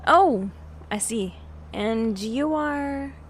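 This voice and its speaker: A young woman with a dry, teasing, understated manner in a naturalistic audio drama. Her voice sits a little high and she speaks slowly. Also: animated, slight background noise. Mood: polite. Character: Rosalind, young woman newly in town, dryly teasing.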